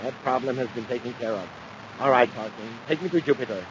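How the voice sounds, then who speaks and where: A man's voice: mid-range voice, fairly quick, close to an everyday voice. A vain, imperious nobleman villain acted by a man from a 1950s radio adventure. He speaks with pompous, theatrical grandeur. The old recording is dull and slightly noisy. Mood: imperious, confident. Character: vain, imperious aristocratic villain bent on ruling the universe.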